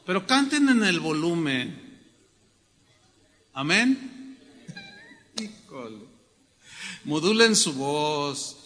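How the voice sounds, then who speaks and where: A man with a Mexican accent preaching a sermon to his congregation, telling stories in a humorous, animated way. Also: on the high side, in a large hall. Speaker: pastor. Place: church hall.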